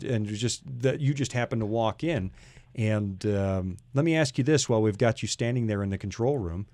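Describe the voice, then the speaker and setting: A man's voice: on the low side, normal speed, a little mellow, no room sound. A man hosting a radio talk show in a casual, bantering interview style, recorded close in a studio. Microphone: close studio microphone.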